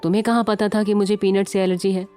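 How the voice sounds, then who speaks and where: A calm, protective young man who reassures softly, as a woman narrator voices him. The voice stays close to the storyteller's own. Light music plays underneath. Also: medium pitch, fast, close to an everyday voice. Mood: gentle. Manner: calm and gentle, at times stern.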